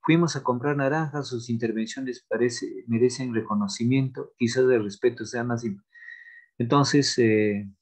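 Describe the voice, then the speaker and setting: A man teaching an online grammar class, talking haltingly with many fillers and restarts, and repeating example sentences aloud. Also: medium pitch, fairly even intonation.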